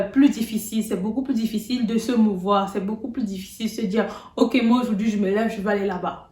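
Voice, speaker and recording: A woman's voice: mid-range voice, a little mellow. A young adult woman giving casual advice in a vlog, chatty and full of fillers and restarts. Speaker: video blogger. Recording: roomy, distant from the mic.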